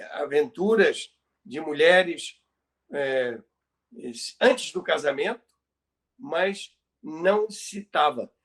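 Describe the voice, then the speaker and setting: A man's voice: a little high, a bit bright. A man with a Brazilian accent telling radio history in conversation, emphatic and repeating phrases for effect. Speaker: guest recounting radio history. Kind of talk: conversational storytelling.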